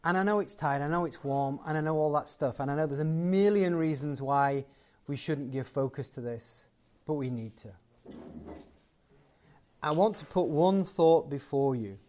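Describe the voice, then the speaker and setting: A man's voice: on the high side, moderate pace, a little mellow. A man giving a closing sermon and prayer to a live gathering, conversational and building to emphatic points. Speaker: guest preacher.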